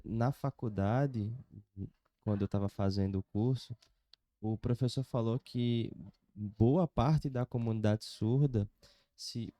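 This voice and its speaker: A man hosting a podcast, asking questions in a measured way. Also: mid-range voice, mellow, no room sound. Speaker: podcast host. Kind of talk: casual podcast conversation.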